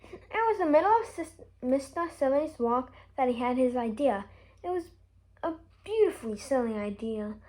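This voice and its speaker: A woman reads a children's story aloud in a high voice. Her delivery is expressive and emphatic, with a melody that swings widely from phrase to phrase. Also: moderate pace. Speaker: story reader.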